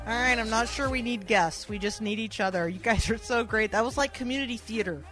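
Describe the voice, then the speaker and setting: A woman's voice: fairly high pitch, brisk, fairly bright tone, soft background music. A woman hosting a Christian radio show in a casual, conversational way, chatty and encouraging as she addresses listeners directly.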